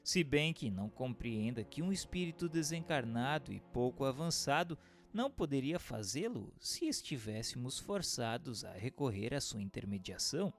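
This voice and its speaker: A Brazilian man reading a book aloud as a narrator, in a formal, declamatory and deliberate scripted delivery. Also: mid-range voice. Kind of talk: scripted audiobook-like narration of a spiritist treatise.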